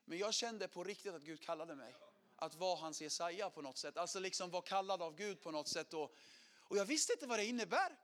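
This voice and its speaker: A middle-aged man telling his conversion story as a sermon testimony, animated, acting out quotes and swinging from loud to hushed. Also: high voice.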